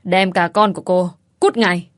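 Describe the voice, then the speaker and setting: A woman voicing an angry, scolding old grandmother who rants shrilly and fast. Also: fairly low pitch, steady tone, a bit bright, no room sound, studio quality, lightly acted. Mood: furious.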